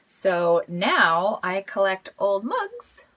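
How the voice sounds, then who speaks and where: A woman's voice: mid-range voice, big pitch swings, drawn-out words, a bit bright, heavily acted. A woman playing a perky, awkward scavenger in a comedic audio drama, eagerly upbeat in manner.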